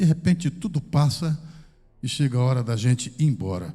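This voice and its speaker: A man's dark, mellow tone at a moderate pace, in a Brazilian accent. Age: 70s. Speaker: pastor. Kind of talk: sermon.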